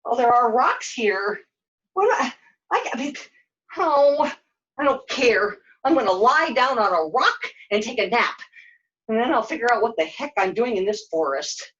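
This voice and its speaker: A woman's voice: fairly high pitch, lively intonation, moderate pace, fairly bright tone, slight background noise. A woman voicing a weary, scatterbrained heroine of a fairy-tale quest, dramatic and exclamatory as she talks to herself. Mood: weary, muddled. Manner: dramatic, self-talking, exclamatory. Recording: dull lo-fi sound.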